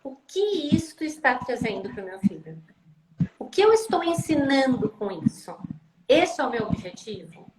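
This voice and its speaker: A fairly high-voiced woman speaking emphatically as a guest in a live video chat, often repeating her words to drive a point home. Her voice comes through an echoey room with heavy noise behind it. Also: very animated, moderate pace. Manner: emphatic, repeats phrases for stress. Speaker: speech therapist guest. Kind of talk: live-stream conversation on parenting. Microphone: video call.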